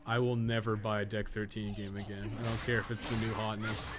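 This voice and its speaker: A man's voice: fairly low pitch, little pitch movement, brisk, noisy background. A man chatting casually on a live game stream, rambling through blunt opinions with plenty of swearing. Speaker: game streamer and podcast host.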